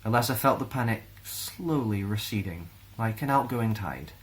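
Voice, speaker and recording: Male storyteller, Scottish, low voice, gentle and expressive reading of children's fantasy. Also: normal speed. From Scotland.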